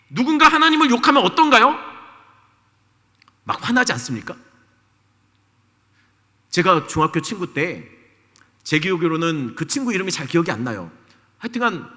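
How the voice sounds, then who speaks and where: A man's voice: high-pitched, sharp tone. A male pastor preaching a sermon in a church, telling a story with energy and putting questions to the congregation. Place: church sanctuary. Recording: long reverb of a church hall.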